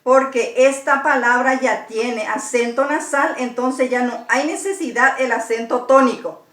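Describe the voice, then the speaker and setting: Female teacher, patient, unhurried delivery, echoey room. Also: sits high, fairly bright tone. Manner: patient, pointing at examples on a board. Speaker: language teacher. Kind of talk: slow explanatory grammar lesson.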